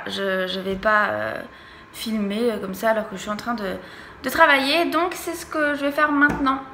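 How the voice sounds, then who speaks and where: A woman's voice: high-pitched, pushed and bright, slight background noise. A young pregnant woman talking casually to camera in a family vlog, chatty and hesitant with many fillers. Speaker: vlogger and childminder.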